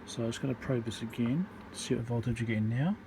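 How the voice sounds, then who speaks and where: Step by step and somewhat haltingly, a man thinks out loud while showing how to repair electronics at an indoor workbench. His voice is medium-pitched and casual. Room noise and a steady hum run throughout.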